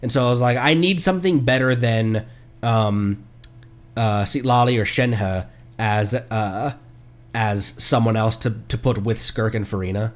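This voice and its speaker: A man giving casual livestream gameplay commentary, halting as he thinks aloud. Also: medium pitch. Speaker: game streamer. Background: game music.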